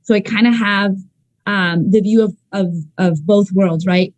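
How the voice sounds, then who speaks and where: A woman's voice: medium pitch, fairly even intonation, a little slow, dry recording, rough recording. A woman from Ecuador speaks as a clinical psychologist presenting in an online seminar. Her delivery is conversational, with um fillers and restarts. The sound is dry and close. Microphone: video call.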